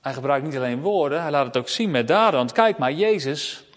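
A man preaches a sermon, his voice a little higher than most. He speaks in a lively way and often turns straight to the children in the pews. A long church reverb trails after each phrase. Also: brisk. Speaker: pastor.

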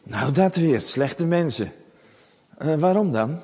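A man telling a Bible story to children in a lively, animated way, often asking them questions. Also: fairly high pitch, slow pace, breathy edge, long reverb tail.

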